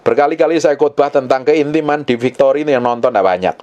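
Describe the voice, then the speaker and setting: A pastor preaching a sermon, urging listeners directly with emphatic, repetitive phrases. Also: male voice, mid-range voice, fast, a little mellow.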